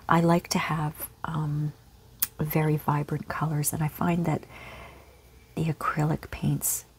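A woman teaching a relaxed real-time painting lesson at home, speaking softly and often half-whispering. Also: deep voice, gravelly, a little hiss or hum. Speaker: art teacher. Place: home studio with pets nearby.

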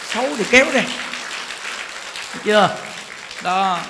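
High-voiced Southern Vietnamese monk, joking. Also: male voice, unhurried, a crowd in the background, background noise. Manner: joking, chatty, repeats words while building a point. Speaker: Buddhist monk. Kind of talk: humorous storytelling sermon.

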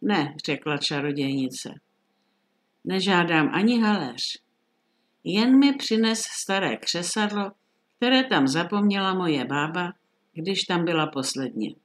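A woman's voice: fairly low pitch, lively intonation, lightly acted. A woman voicing a scheming old witch in a storybook reading, coaxing and secretive. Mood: offhand. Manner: coaxing, then curt.

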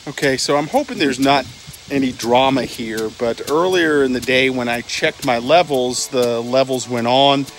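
A man's voice: medium pitch, normal speed, slight background noise. Chatty middle-aged man vlogging from his car. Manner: chatty, upbeat, lots of fillers. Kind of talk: casual travel vlog with voice-over. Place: inside a car, then outdoors by an RV. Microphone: phone held at arm's length. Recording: music bed playing under the voice. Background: background music.

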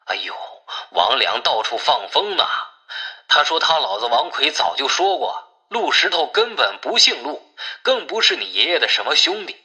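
An anxious village kinsman on a filtered phone call, performed by a male narrator. His tone is very bright and tense, at a middling pitch. He pleads and sighs with resignation in this audiobook drama. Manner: pleading, sighing.

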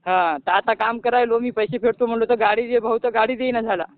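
A man's voice: very high voice, steady tone, brisk. Pleading man on a tinny phone line. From Maharashtra. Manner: pleading, repeats "bhau" often, rambling. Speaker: caller asking for help. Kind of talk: distressed phone call. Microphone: phone call.

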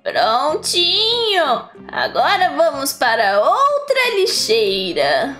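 A woman's voice: high voice, huge pitch swings, very slow, music in the background, heavily acted. A woman voicing an old woman garbage collector who sighs and groans about her aching back in a game roleplay story. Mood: weary.

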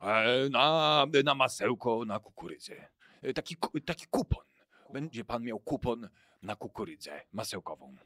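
A man's voice: medium pitch, lively intonation, a little slow, sharp tone, no room sound, clean studio sound. A man playing a flustered, obliging beach-bar boss who stammers hesitantly in an improvised children's radio play. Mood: flustered, deferential. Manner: stammering, hesitant, eager to please. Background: piano music.

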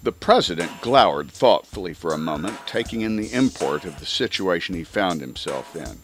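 A man narrates a spy audiobook with theatrical emphasis. His fairly low voice swings widely in pitch, and faint music plays behind him. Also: expressive, moderate pace. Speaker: audiobook reader. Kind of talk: dramatic first-person spy story narration.

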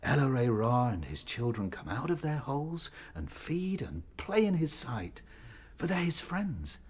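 An eager young rabbit telling tales in a radio drama. The voice is very breathy and husky, and it swoops theatrically up and down. He is timid underneath the showmanship. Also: medium pitch, a little slow. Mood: rapt storytelling. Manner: theatrical, expressive. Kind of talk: dramatic storytelling in a radio play.

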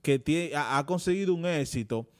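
A Dominican man co-hosting a studio debate, his voice pitched somewhat high. He rants in an indignant, scolding way and stumbles over his words, with a yelp now and then when he acts out a story. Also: normal speed. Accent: Dominican Spanish. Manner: indignant, scolding, tells anecdotes with animal yelps. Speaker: co-host of a talk show.

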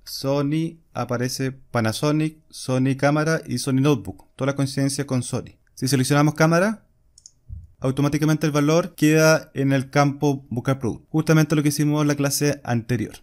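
A man's voice: medium pitch, fairly even intonation, moderate pace. A man, explaining a coding screencast step by step while he types. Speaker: programming instructor. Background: keyboard typing and clicks.

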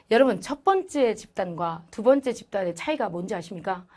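A woman teaching an English class with a fairly high voice. She talks in a chatty, lively lecture style and keeps asking her students questions she then answers herself.

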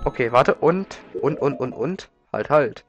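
Male let's player, mid-pitched, slightly stuffed up from a cold, informal rambling commentary over game music. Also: animated, a little slow, muffled recording. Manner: informal, rambling, repeats words. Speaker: let's play host. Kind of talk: casual video game commentary. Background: video game music.

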